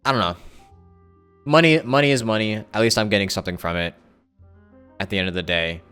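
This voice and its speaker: Low voiced guy streaming, clean smooth sound, just rambling to chat and thinking out loud. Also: fairly quick. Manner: rambling, thinking aloud, self-correcting. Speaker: live streamer and content creator. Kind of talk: casual livestream chat with viewers. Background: background music.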